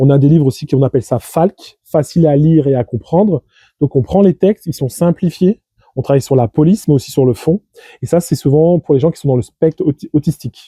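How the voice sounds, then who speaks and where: At a fairly quick pace, a man talks in a dark, mellow tone that is somewhat breathy, with ordinary pitch variation. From northern France, Roubaix area. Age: 40s. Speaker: bookshop owner. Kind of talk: interview. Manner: halting.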